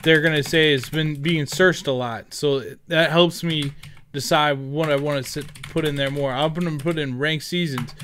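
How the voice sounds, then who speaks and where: A man's voice: fairly high pitch, steady tone, normal speed, fairly bright tone, a little hiss or hum. A man giving a casual, rambling screen-recorded tutorial as a gaming content creator, thinking aloud as he goes. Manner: informal, rambling, thinking aloud while typing. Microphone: headset.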